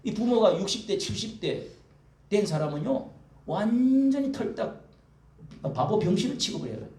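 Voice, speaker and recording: A man's voice: sits high, big pitch swings, normal speed, a little mellow. A male pastor preaching a sermon in a church, rhetorical and often prodding the congregation. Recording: echoey room, mic at a distance.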